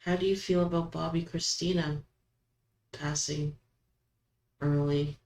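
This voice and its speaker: Woman, low pitch, unhurried halting questions, casual séance host, roomy echo. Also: steady tone, a little mellow. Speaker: host of a spirit box session. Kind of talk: slow questioning aloud, casual commentary. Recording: roomy echo, background noise.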